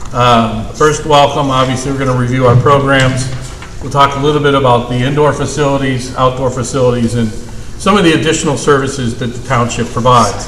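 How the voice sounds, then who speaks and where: Fairly even intonation runs through speech at a fairly quick pace, with audible room echo and noticeable background noise. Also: man, medium pitch for a man. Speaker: township supervisor. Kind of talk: public meeting report. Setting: town meeting. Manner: loud.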